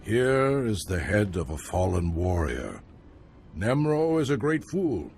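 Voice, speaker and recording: An actor playing a solemn tribal elder who speaks in a measured, persuasive way. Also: male voice, fairly low pitch, sing-song, gravelly, a little mellow, faint music behind, heavily acted.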